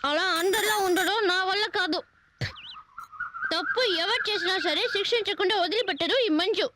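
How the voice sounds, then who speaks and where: A woman's voice: extremely high pitch, fairly quick, heavy background noise. An actress playing a headstrong young woman who bossily accuses a man of being a fraud. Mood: defiant. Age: young adult. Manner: defiant, accusing, bossy. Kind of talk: Telugu film comedy acting.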